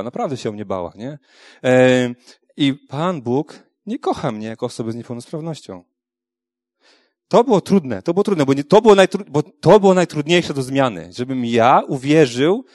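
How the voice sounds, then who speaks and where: Man sharing a candid faith testimony, plain mid-range voice, chatty and halting, recorded dry. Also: medium pitch, no room sound. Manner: conversational, frequent tag questions and restarts; frank and earnest. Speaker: speaker giving a faith testimony. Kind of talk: personal testimony talk.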